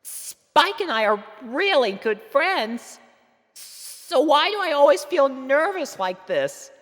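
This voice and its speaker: A woman's voice: high-pitched, sing-song, slow, a bit bright, in a large hall, pitched above the performer's own voice, exaggerated voice. A woman voicing a sweet, shy young filly pony with an eager way of exclaiming in a story reading. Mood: nervous.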